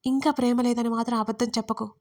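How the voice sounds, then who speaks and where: A woman's voice: on the high side, flat delivery, quick pace, a little mellow, close to an everyday voice. A woman voicing a persistent, affectionate young man in a romantic audio story, in a coaxing, insistent manner. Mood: tender insisting.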